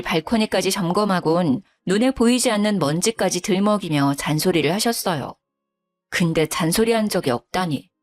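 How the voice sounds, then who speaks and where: A woman calmly recounting her own family conflict as a story narrator. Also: fairly low pitch. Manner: calm, matter-of-fact recounting.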